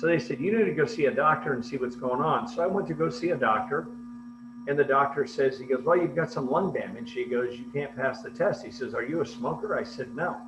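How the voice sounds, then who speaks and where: Over music in the background, a man speaks very fast at a fairly high pitch, his voice making very wide pitch swings. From US Midwest, small-town Iowa. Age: 60s. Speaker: real estate investor and speaker. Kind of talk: seminar talk. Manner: casual, storytelling.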